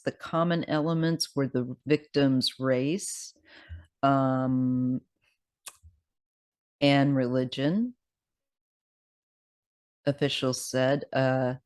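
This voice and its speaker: Slow, scratchy-voiced tarot reader. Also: medium pitch, a little mellow. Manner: hesitant, halting delivery. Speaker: tarot card reader host. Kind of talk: casual unscripted talk, partly reading news aloud.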